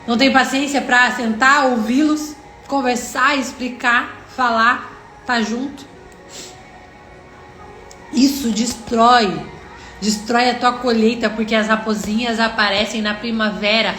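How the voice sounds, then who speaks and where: Brazilian woman, high voice, devotional live-stream speaker, earnest, roomy echo with faint music behind. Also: steady tone, unhurried, a bit bright. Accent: Brazilian Portuguese. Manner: earnest, addresses viewers directly, quotes God in dialogue. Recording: echoey room with faint music.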